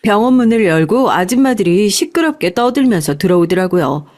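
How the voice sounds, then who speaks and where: A woman's voice: medium pitch, expressive, brisk, a little mellow. A woman reading a scripted first-person story in a conversational, confiding way, as a storyteller addressing listeners politely.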